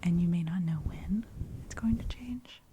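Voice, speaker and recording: Thirtysomething woman, gentle encouraging ASMR whisperer, slightly low voice, close mic. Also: normal speed, a little hiss or hum. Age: 30s. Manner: soft encouraging whisper with frequent fillers. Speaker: ASMR creator. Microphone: close studio mic with brushing.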